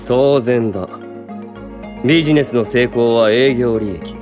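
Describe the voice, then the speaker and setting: A man's voice: mid-range voice, a little slow, over music, lightly acted. An actor playing a stern, arrogant young male producer in a voice drama, speaking coldly and curtly. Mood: businesslike. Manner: cold, curt, commanding. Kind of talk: anime-style voice drama acting.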